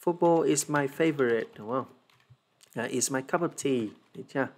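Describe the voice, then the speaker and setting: A young man with a Vietnamese accent, teaching English on a livestream, who switches between slow, careful model answers and chatty, teasing asides. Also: mid-range voice, a little mellow. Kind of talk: livestream lesson.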